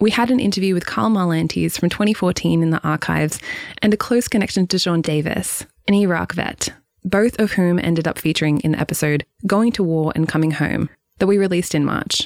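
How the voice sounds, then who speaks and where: A woman's fairly low-pitched, unremarkable speaking voice, fairly quick in pace, with ordinary pitch variation. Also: very even loudness. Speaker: executive producer. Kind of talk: scripted narration.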